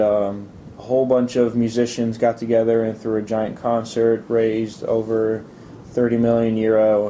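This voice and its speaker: A man with a very dark, soft-edged voice gives casual interview answers. His pitch sits fairly low and moves little, and he explains things in a measured, hesitant way over a faint low rumble. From Italy. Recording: low rumbling background noise.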